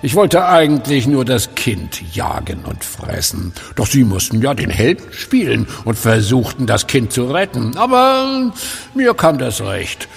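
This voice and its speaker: An actor playing a sadistic werewolf clinic director in a horror audio drama, with a gravelly voice and a theatrical, mockingly polite manner. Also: male voice, mid-range voice, very animated, a little slow, soft background music. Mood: smug, menacing.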